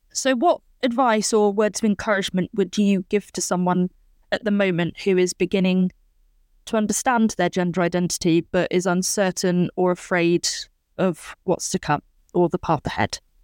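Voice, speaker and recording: A woman's normal speaking voice at medium pitch and a moderate pace, with very even loudness, fairly even intonation and a very clean recording over a silent background. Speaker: counselling podcast host. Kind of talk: interview, empathetic conversation. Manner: warm, supportive.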